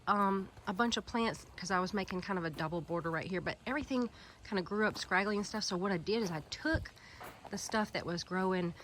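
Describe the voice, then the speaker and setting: A Southern woman with a slightly low voice and a congested, stuffy head cold talks through a casual garden tour. She rambles warmly with lots of ums and uhs, filming by hand as she walks outdoors among her plants. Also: a little hiss or hum. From Alabama Gulf Coast, US. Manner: chatty and rambling, many fillers. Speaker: gardening vlogger.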